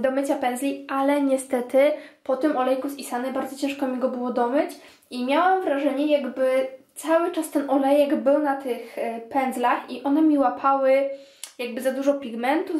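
A woman's voice: high-pitched, moderate pace, a little mellow, echoey room. A young woman chatting casually to her viewers while cleaning her bathroom and washing makeup brushes. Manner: chatty, addresses viewers as "girls". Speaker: beauty vlogger. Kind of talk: casual clean-with-me vlog narration. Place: home bathroom.

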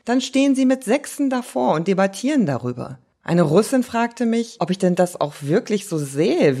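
A woman giving a lively, wry reading of old letters and diary entries. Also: on the low side. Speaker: reader.

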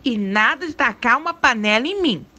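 A woman's voice: on the high side, expressive, moderate pace, sharp tone, pitched above the performer's own voice. A woman voicing a teasing rural husband. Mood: serious. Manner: teasing, laughing, folksy. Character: teasing rural husband, grown man, amused. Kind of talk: dramatic storytelling.

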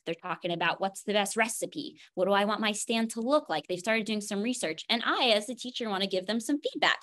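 A woman's voice: medium pitch, fairly bright tone. A woman giving a cheerful, chatty live demo of a whiteboard tool over a video call. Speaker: education team presenter.

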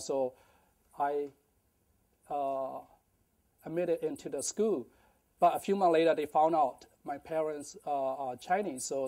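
A middle-aged man telling his life story in a halting lecture, with many fillers and restarts, on a lapel mic in a large indoor kitchen. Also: on the high side, warm tone. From Burma. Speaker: guest speaker.

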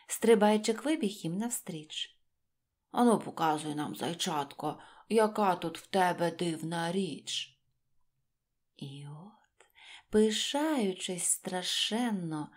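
A woman storyteller narrating a rhymed children's tale in an expressive style. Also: medium pitch. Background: faint music.

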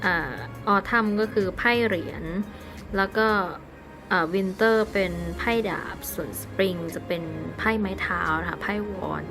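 A woman's voice: medium pitch, slow, over music. A woman hosting her own tarot channel, reviewing a card deck in a casual, chatty and polite way. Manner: chatty and polite, with soft polite endings and small laughs.

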